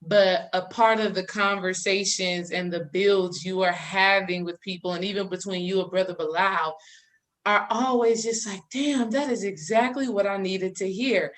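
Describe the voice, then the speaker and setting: A woman's voice: mid-range voice, fairly even intonation, moderate pace, fairly bright tone. A woman chatting casually as a guest on a talk show. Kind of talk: casual conversational chat.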